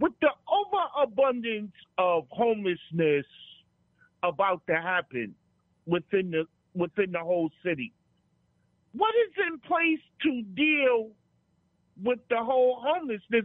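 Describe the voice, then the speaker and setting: Using a high pitch with very wide swings, a man speaks at a fairly slow pace with long, frequent pauses. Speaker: caller. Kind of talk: call-in question. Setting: phone call.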